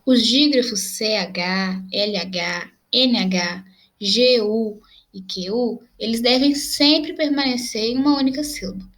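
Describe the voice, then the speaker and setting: Her voice fairly high and a bit bright, a young adult teacher with a Brazilian Portuguese accent gives a patient grammar explanation in a video lesson. She spells out each example slowly.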